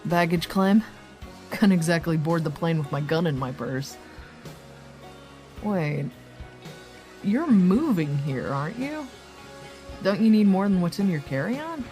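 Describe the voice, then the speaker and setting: An actress playing a wry, brisk law officer in naturalistic audio drama dialogue. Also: female voice, lowish voice, expressive, mellow, faint music behind. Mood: wry teasing. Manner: wry, teasing, conversational.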